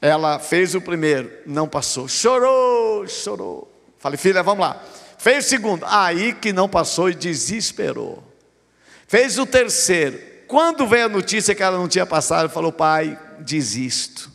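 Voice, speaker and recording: A middle-aged male pastor delivers a sermon with a somewhat high voice, pressing key words hard and then falling to a hush for quoted lines. His voice rings out through a large church hall with a long, trailing reverb. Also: very animated, normal speed, creaky. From southern Brazil. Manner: emphatic preaching, repeats key phrases, drops to soft quoted lines.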